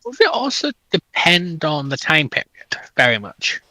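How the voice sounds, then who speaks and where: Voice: mid-range voice, huge pitch swings, moderate pace, sharp tone, no room sound, poor audio. A panelist of unclear sex in casual livestream chat, on a dry microphone with keyboard typing behind.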